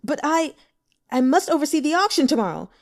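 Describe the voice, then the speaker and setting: Woman voicing indignant, high-pitched male broker. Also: big pitch swings, brisk. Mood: aggrieved. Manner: protesting, formal, stammers when flustered. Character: self-justifying male head broker, polite but indignant.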